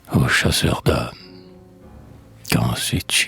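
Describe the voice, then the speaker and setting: Music plays behind a man who talks at a very slow pace. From Quebec, Canada. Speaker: poet. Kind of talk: poetry reading.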